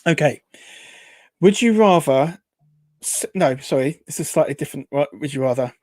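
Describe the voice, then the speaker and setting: A man's voice: on the high side, animated, normal speed, darkish tone, dry recording. A man hosting a casual interview, hesitant and rambling, who says w for r. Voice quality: weak r sounds, says w for r. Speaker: host.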